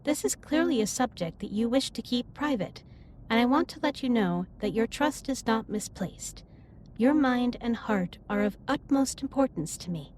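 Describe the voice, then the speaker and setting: A woman playing a caring alien starship captain in a sci-fi audio drama, speaking formally and in measured phrases with gentle reassurance. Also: fairly high pitch, expressive, slight background noise, close to an everyday voice. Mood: earnest, reassuring. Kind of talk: scripted roleplay audio drama, intimate comforting monologue. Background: ambient music.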